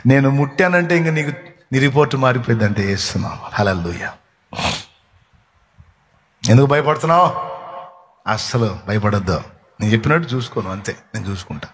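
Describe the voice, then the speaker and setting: A man's voice: medium pitch, lively intonation, fairly quick, pauses often, fairly bright tone, slight background noise. A male pastor preaching a sermon with emphasis, repeating phrases and acting out tender comforting words. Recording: reverberant hall sound.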